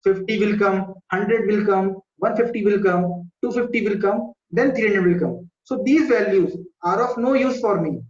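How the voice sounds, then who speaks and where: Teaching school maths online with a South Asian accent, a man goes step by step, repeating points and asking short questions to check that students follow. His voice is high-pitched with a darkish tone, at a moderate pace with few pauses. The sound is muffled and echoey, typical of an online video class held in an indoor room.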